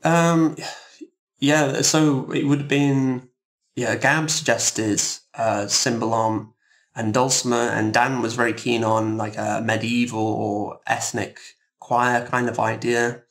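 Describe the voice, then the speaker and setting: A man speaking as an interviewed guest in a thoughtful discussion, halting and reflective, often repeating words. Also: medium pitch, fairly even intonation, fairly bright tone.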